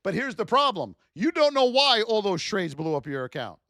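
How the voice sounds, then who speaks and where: A man coaching a livestream audience with blunt, gruff tough love, in punchy repeated phrases that push and encourage. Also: high-pitched, big pitch swings, moderate pace, bright, forceful tone, no echo, studio quality. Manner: punchy repeated phrases, addresses listeners as folks. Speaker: trading coach and livestream host. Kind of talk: livestream coaching pep talk.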